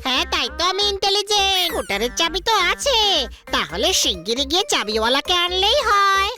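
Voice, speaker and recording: A very high, squeaky little cartoon boy, cocky and full of himself, humming and boasting between lines. The voice sits far above an adult's. Children's music runs behind it. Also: big pitch swings, brisk, sharp tone, full character voice. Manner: cocky, playful, hums a lot. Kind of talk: dubbed cartoon acting.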